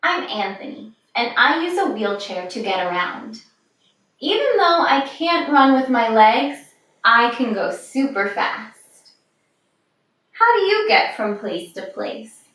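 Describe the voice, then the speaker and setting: Very echoey room, woman, lively intonation, children's storybook read-aloud, expressive, measured. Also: on the high side, distant mic. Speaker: picture-book reader.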